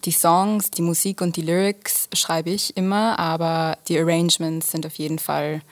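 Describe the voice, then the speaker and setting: Low, steady woman musician. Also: no echo. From Vienna, Austria. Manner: thoughtful, measured, with pauses and fillers. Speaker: singer-songwriter guest. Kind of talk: radio interview. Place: radio studio.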